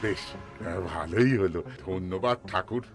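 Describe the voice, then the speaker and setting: A man's voice: deep voice, unhurried, over music. A man voicing a fawning, anxious village jeweller in a cartoon, repeating phrases obsequiously. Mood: eager. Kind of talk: exaggerated cartoon dialogue.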